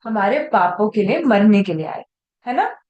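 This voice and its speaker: A woman's voice: medium pitch, normal speed, dull audio. Echoey woman teaching kids a Bible story. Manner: animated, asks the children questions. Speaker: Sunday school teacher. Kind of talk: Bible story lesson for children. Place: church room with children, also on a video call.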